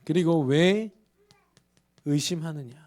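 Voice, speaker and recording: A man's voice: a little high, slow pace, a little mellow. A male pastor preaching in church, emphatic and full of rhetorical questions to the congregation. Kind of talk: sermon.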